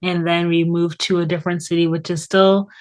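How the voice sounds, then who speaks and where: A woman's voice: on the low side, little pitch movement, fairly quick. A thirty-year-old woman from Canada with a Canadian accent, chatting casually as a guest in an informal, meandering way. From Toronto, Canada. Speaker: interview guest. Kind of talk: casual chat.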